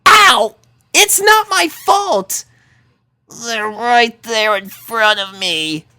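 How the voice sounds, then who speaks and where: A woman's voice: on the high side, expressive, drawn-out words, bright, forceful tone, pitched above the performer's own voice, full character voice. A woman voicing a brash, sporty teenage tomboy in a story reading, with a blunt, cocky delivery. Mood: defensive.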